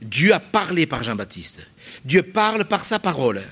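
A man's voice: on the high side, sing-song, normal speed, fairly bright tone, husky. A middle-aged man, a pastor preaching a sermon at a church service, emphatic and repetitive, full of rhetorical questions.

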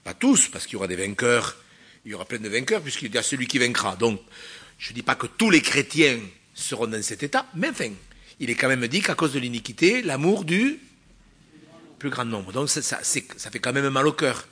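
A man delivering a sermon in a church with a husky, slightly rough voice at an ordinary pitch. He preaches emphatically, punching single words loudly and then dropping to quiet asides. He keeps turning to the congregation with rhetorical questions. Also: big pitch swings, a little fast. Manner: emphatic, swings from loud stresses to quiet asides.

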